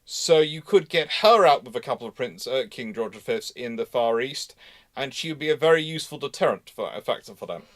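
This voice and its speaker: Man explaining in halting, didactic bursts. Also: medium pitch, expressive. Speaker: host of a live naval history show. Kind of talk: live panel discussion, unscripted explanation.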